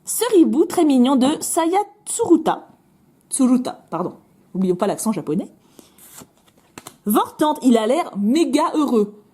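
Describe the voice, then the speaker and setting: Chatty french woman opening card packs, kinda high voice, bounces all over the place. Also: big pitch swings, warm tone, breathy edge. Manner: chatty, bubbly, self-mocking, quick asides. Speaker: card-opening video host. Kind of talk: casual chat while opening cards.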